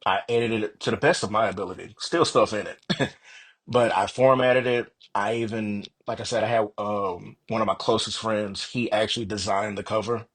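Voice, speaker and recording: A man's voice: lowish voice, fairly even intonation, normal speed, fairly bright tone, slightly rough. A man speaking as an author guest in a casual interview, telling stories earnestly and self-deprecatingly and voicing his own thoughts. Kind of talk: casual, animated interview chat.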